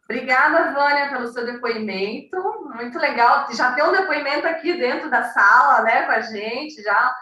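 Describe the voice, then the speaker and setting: A woman hosting a live chat, warmly affirming her guest with frequent fillers and translating testimonies. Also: high voice, normal speed, few pauses, roomy sound, recorded from a distance, low-quality recording. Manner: encouraging, lots of affirming fillers. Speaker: host.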